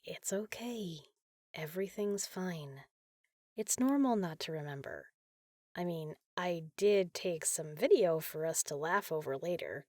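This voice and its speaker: A woman playing a caring, teasing big sister in an intimate comfort roleplay, talking softly and casually. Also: lowish voice, no echo, studio quality. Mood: soothing, gentle, then teasing, playful. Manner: soft, soothing, casual, playful.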